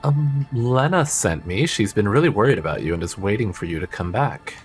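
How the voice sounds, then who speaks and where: A lower-voiced man casually commenting on a video game as he reads dialogue aloud, joking and rambling with a very animated, bouncing pitch. Game music sits softly underneath. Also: brisk. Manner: rambling, joking, self-interrupting. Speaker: let's play host.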